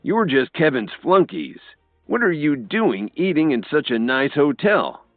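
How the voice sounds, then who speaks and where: A man's voice: sits low, big pitch swings, moderate pace, dry recording, soft background music. A man voicing an arrogant, furious middle-aged man in an audiobook, growling and domineering. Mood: snarling. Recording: dry, tinny phone-like sound.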